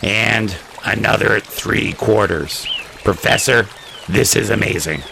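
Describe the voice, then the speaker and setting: A man's voice: lowish voice, slow, vocal fry, full character voice. A man acting as a folksy, cooperative sheriff in an audio drama, plain-spoken and easygoing. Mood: impressed. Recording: noisy ambience behind audio drama dialogue.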